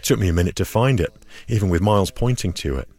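A man reporting outdoors, narrating a documentary story in a calm, measured way. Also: sits low, dry recording. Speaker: radio reporter. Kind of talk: scripted documentary narration with field interviews. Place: outdoors at a border wall, in the hot sun.

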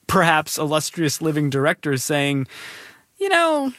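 A male podcast host with a lively, swooping voice that rises high when he is incredulous. He talks through the news in a casual, conversational way, recorded close and dry. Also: a little slow, no room sound.

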